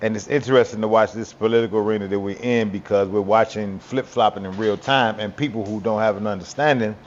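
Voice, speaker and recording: A man co-hosting a podcast who talks over serious topics in a halting, reflective way, searching for words. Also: lowish voice, steady tone, muffled recording, a little hiss or hum. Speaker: podcast co-host. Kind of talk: casual political talk.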